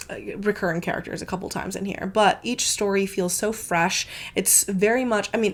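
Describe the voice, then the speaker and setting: A congested woman hosting her book channel, gushing in a casual, filler-heavy review with plenty of swearing. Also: medium pitch.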